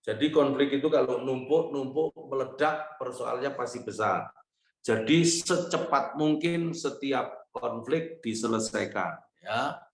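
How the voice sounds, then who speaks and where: An older male pastor delivers a sermon with a gravelly, rough-edged voice, recorded in an echoey room. He tells stories in an animated way, quotes dialogue, and chuckles between points. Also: mid-range voice, measured pace. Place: church or online service hall.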